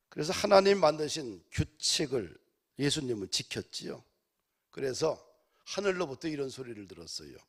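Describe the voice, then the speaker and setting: A male pastor preaching a sermon in a church, building to emphatic exhortations. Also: fairly high pitch.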